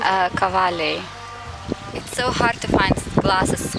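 A woman speaks in a Lithuanian accent. The sound is dry with no echo, but the background noise is loud. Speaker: reality TV personality. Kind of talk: interview answer. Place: garden. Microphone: phone near.

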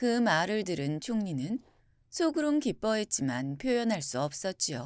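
A woman's voice with very wide pitch swings, dry sound without echo, and a quiet background. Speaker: storyteller. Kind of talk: bedtime story reading. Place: home room. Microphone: phone near.

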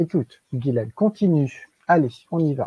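A man's somewhat breathy, fairly high voice comes across in a dry sound with no echo. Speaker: webinar host. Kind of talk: hosting a live online talk. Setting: video livestream. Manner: hesitant, repeats words. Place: home room. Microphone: webcam.

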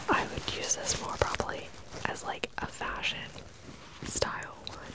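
Loud background noise sits behind this recording. A soft-spoken woman talks at a fairly slow pace. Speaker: video creator. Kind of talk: casual product review chat. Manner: soft, hushed ASMR voice close-miked. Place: home room. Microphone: studio mic.

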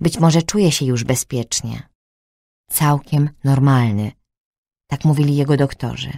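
A fairly slow pace with long, frequent pauses. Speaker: audiobook narrator. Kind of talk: literary audiobook reading, first-person narration. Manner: measured, emotive storytelling pace.

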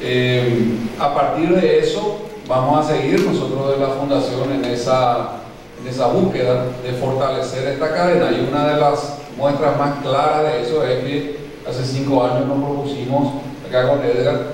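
Strong room echo and light background noise accompany a voice with fairly even intonation. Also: man, fairly slow pace. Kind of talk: formal speech. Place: meeting room.

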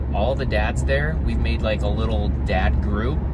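Loud background noise surrounds a man talking at a moderate pace, his voice dry with no echo. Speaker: camping vlogger. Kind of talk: casual vlog chat. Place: car. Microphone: phone near.

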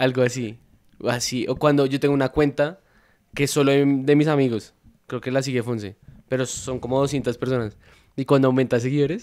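Monotone and flat, a man speaks at a moderate pace. He leaves long, frequent pauses. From Colombia, Boyacá; Colombia. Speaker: podcast co-host. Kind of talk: casual chat. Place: studio. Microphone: studio mic.

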